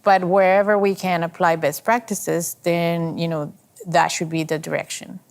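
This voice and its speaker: A woman's voice: lowish voice, level tone, moderate pace, creaky. A woman answering questions as an interview guest, in a thoughtful, loosely phrased way.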